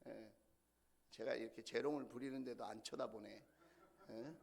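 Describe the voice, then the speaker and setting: A man's voice: mid-range voice, fairly even intonation, moderate pace, vocal fry, darkish tone. A middle-aged male senior pastor delivering a sermon, telling stories with animation and putting questions to the congregation.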